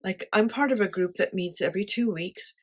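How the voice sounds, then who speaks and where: Woman, quiet voice, light-hearted, honest, casual vlog talk, mid pitch. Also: a little fast. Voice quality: quiet voice that does not carry. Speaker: artist sharing life advice.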